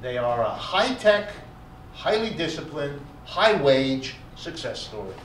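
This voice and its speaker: A man giving an emphatic, animated economics lecture to a room, often repeating words for stress. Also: fairly high pitch, slow, a little hiss or hum. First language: German. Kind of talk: public lecture. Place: lecture hall. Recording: echoey hall, recorded from far off.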